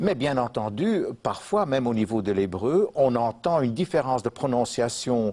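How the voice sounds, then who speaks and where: A man with a Dutch accent speaks at a fairly slow pace with hardly any pauses, his loudness very even. His medium-pitched voice has a dark, mellow tone and lively intonation. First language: Dutch (speaking French). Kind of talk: interview. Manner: hesitant, many fillers.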